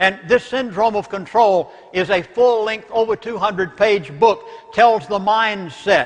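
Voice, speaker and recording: The voice has a Southern US accent and ordinary pitch variation. Noticeable background noise sits behind it. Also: man. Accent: southern US drawl. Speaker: minister and lecturer. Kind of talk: lecture. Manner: fast; animated.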